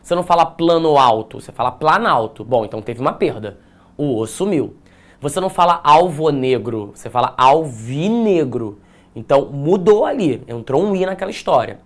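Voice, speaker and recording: Energetic Brazilian man teaching a class. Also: a little high, fast. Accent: Brazilian Portuguese. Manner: energetic, repeats phrases, checks in with "tá?". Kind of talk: online exam-prep lesson.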